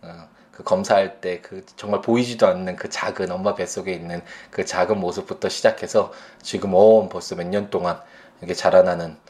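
A man in his thirties, a father, speaking reflectively about his son, pausing often with fillers. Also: low-pitched, fairly even intonation, darkish tone. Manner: slow, hesitant, many fillers. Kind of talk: reflective personal testimony.

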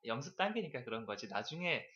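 Bright, teasing male English coach. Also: medium pitch, very animated, quick pace, muffled recording. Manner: teasing, prompting, playful. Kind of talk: casual teaching chat.

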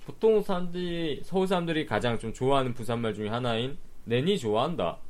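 A man's voice: medium pitch, expressive, fast talker. A young man from Busan with a Busan accent, co-hosting a radio talk show and joking and teasing his partner. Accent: Busan Gyeongsang Korean. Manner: joking, teasing, bursts into laughter. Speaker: radio co-host. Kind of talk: playful radio banter.

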